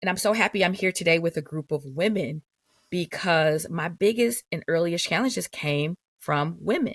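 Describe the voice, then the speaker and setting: A woman with an American accent speaks at a moderate pace, her pitch fairly low with ordinary variation. The recording is very clean, with a silent background and a dry, close sound with no echo. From Detroit, US Midwest. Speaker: wellness coach. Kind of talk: interview.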